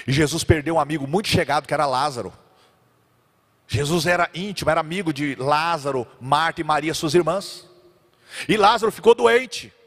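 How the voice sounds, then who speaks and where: A man preaching a sermon as pastor, dramatically acting out biblical characters and swinging between loud and quiet. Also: in a large hall. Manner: dramatic, acts out biblical characters with big swings in pitch and volume.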